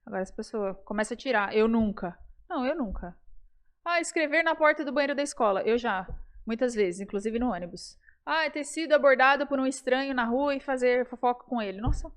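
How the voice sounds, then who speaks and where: A Brazilian woman speaking as a guest in a casual podcast interview, animated and playful, often addressing the audience directly. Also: high voice, fast talker. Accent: Brazilian Portuguese.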